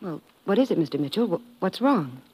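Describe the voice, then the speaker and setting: Breezy American farm woman, 1950s radio drama. Slightly low register, dry banter, unflappable. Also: sing-song, muffled recording, very noisy. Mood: puzzled. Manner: brisk, wry banter. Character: breezy, self-possessed American farm woman living in Australia.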